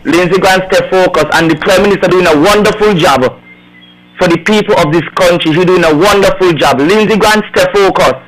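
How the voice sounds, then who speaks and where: Caller on the phone, higher gravelly voice, pushy and repetitive, loud crowd behind. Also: male voice, brisk, poor audio. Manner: insistent, repeats himself in support. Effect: heard over the phone. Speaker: radio show caller.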